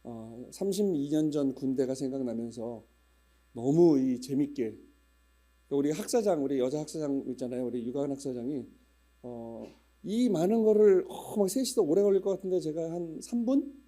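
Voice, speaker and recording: Chatty middle-aged male pastor, dark voice. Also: a little high, expressive, moderate pace. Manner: chatty, humorous storytelling with regional dialect imitations. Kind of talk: casual church announcements before a sermon.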